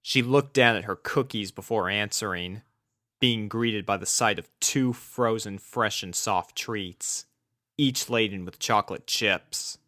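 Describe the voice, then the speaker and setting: A man's voice: on the low side, a little slow, bright, forceful tone, no echo, clean studio sound. A man reading a scripted story aloud as its narrator. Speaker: fan fiction narrator.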